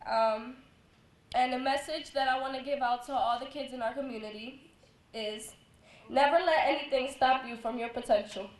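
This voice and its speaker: A young woman with a high voice gives a short, earnest thank-you as a graduating student, encouraging others. Her words bounce around a reverberant hall. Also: normal speed, a little hiss or hum. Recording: echoey hall.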